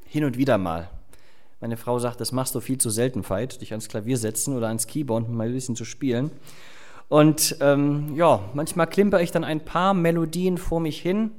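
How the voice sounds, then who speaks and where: A man's voice: mid-range voice, moderate pace, darkish tone. Conversational German-speaking male preacher. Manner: conversational, with fillers and asides. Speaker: pastor. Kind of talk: sermon with Bible reading.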